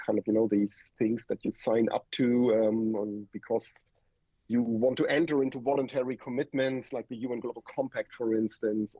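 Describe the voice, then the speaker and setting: Husky German-accented male professor, dull audio. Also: mid-range voice, mellow, dry recording. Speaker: guest academic expert, professor. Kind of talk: explanatory interview talk. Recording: dull, lo-fi remote connection.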